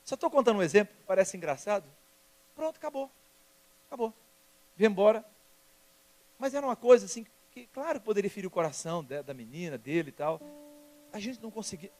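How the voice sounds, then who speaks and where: A man preaching a sermon as pastor, telling personal stories in an emphatic, lively way. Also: high voice, brisk, long pauses.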